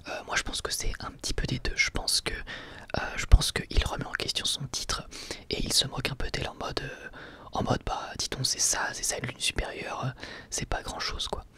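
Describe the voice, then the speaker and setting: A person whispering an informal, halting ASMR commentary on anime episodes in a breathy, unvoiced voice. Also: pushed and bright. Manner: hesitant, halting, informal explaining. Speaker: anime review vlogger.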